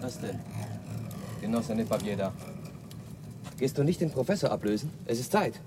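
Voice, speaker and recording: An actor playing a stern, exhausted colony leader giving orders in a radio drama. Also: male voice, mid-range voice, animated, normal speed, noisy background, lightly acted. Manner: stern, commanding.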